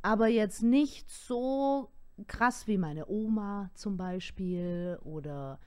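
A woman's voice: medium pitch, slow, smooth. A woman in her forties from the Allgäu with a light Allgäu accent, co-hosting a casual podcast chat and telling stories with frequent laughter. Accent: Allgäu German. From Allgäu, southern Germany. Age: 40s. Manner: lively, laughs often, chatty storyteller. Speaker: podcast co-host.

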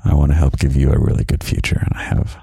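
A young man hosting a podcast of gentle, half-whispered comfort talk, slow and soft with quiet chuckles, close to the microphone. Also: a bass voice, monotone, vocal fry, slightly rough, no room sound. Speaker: podcast host.

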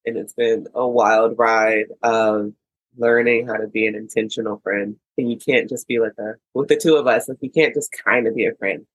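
A woman's voice: extremely low pitch, fairly even intonation, moderate pace, dry recording, poor audio. An American woman co-hosting a casual podcast chat, chatty and playful. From United States. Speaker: podcast co-host.

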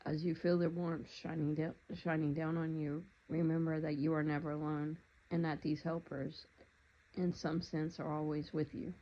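Meditation guide, steady flat delivery, soft calm instructions, slightly muffled lo-fi recording. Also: mid-range voice. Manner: calm, unhurried, gently instructive.

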